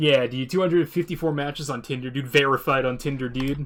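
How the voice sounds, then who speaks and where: Fairly even in intonation, a man speaks at a fairly high pitch. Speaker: gaming podcast host and streamer. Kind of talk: casual chat.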